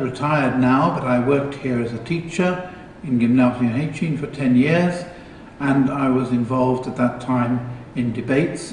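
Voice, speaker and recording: An older man answers interview questions at an unhurried pace, pausing now and then. He sounds a little distant from the mic, and his voice rings out across a large, echoey hall. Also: medium pitch, darkish tone, a little hiss or hum. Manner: unhurried, hesitant with fillers. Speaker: retired teacher and tournament founder.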